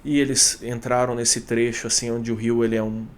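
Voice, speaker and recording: Homem contando causos com fala coloquial. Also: male voice, mid-range voice, flat delivery, brisk, slight background noise. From Brazil. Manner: conversational, many fillers and restarts. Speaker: storyteller host of a channel. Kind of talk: casual storytelling of supernatural tales.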